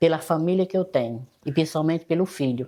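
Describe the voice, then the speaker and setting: This woman talks at a fairly quick pace and a fairly low pitch. Her tone is dark and mellow. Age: 60s. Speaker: local resident. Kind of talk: oral history interview.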